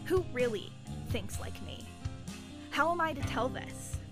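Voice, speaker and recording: A high-pitched female voice in an audio drama, playing a bitter, brooding schemer. She declaims with melodramatic grandeur, as if each line were part of a manifesto. Music plays behind her. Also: big pitch swings, unhurried. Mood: brooding, grandiose. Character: brooding, bitter, melodramatic woman plotting revenge on an ex.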